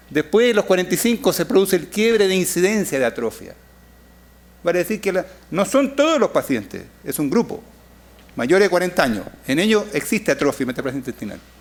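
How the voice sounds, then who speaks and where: The speaker moves at a fairly quick pace with very wide pitch swings over noticeable background noise. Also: man, high pitch for a man. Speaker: physician, gastroenterology conference speaker. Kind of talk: conference lecture. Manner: fast.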